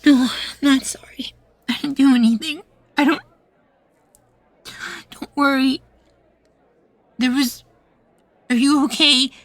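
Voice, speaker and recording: A man acting a sweet, anxious, devoted young boywife in a soft, pleading ASMR roleplay. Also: very high voice, fairly even intonation, takes it slowly, pauses often, no room sound, exaggerated voice. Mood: worried, relieved.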